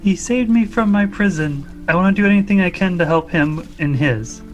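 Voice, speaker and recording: A small, devoted former captive voiced by a man speaks in a raised, high voice. The manner is earnest and pleading, suited to a fantasy tabletop game. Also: expressive, moderate pace, big-room sound, faint music behind, low-quality recording. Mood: earnest devotion.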